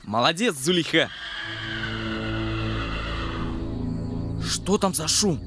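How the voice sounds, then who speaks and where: Brave impulsive boy, highish voice, very animated, kids cartoon with music. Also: normal speed. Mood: alert, protective. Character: brave, impulsive boy adventurer on a fairy-tale quest. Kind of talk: animated fairy-tale cartoon acting. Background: background music.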